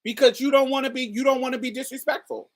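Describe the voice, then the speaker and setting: A woman with a particularly deep voice, hosting a casual commentary and talking straight to her viewers in an emphatic, chatty way. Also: steady tone, quick pace. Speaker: host.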